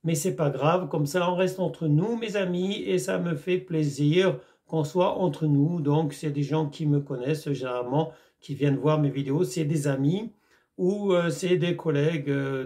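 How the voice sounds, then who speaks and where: A man's voice: fairly high pitch, moderate pace, warm tone. A man chatting casually to camera about a film he watched, rambling with many hesitations and calling his viewers his friends. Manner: rambling, many hesitations, repeats "mes amis". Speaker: YouTube film reviewer.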